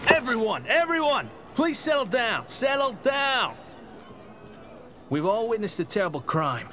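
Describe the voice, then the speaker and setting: An actor playing a weary, no-nonsense police commissioner who gives commands in a pulp radio drama. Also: male voice, extremely high pitch, very animated, a little slow, heavily acted. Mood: commanding. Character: brusque, weary, hard-boiled police commissioner, man. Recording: clear background noise.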